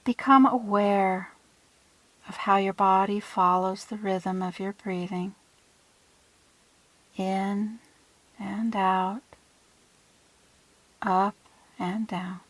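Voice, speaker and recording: Slow, hushed woman guiding a meditation. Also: mid-range voice, fairly even intonation, dry recording, poor audio. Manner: soothing, hushed, deliberate phrasing with breathy trailing ends. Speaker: guided meditation leader. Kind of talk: guided visualization meditation.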